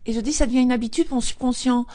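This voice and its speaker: A woman coaching viewers on affirmations in a live stream. She talks in a chatty, lively way, repeats phrases, laughs often and reads viewer comments aloud. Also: a little high, racing. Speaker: manifestation coach.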